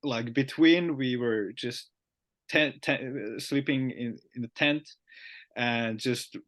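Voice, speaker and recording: Finnish-accented male podcast host, chatty and halting, mid-pitched. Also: fairly bright tone. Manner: chatty, halting with frequent "uh" fillers. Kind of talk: casual podcast conversation.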